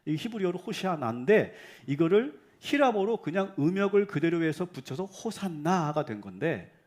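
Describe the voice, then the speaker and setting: A man, a pastor, preaching a sermon in a church and firing rhetorical questions at the congregation, sometimes rising to loud, emphatic cries. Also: a little high, big pitch swings, normal speed.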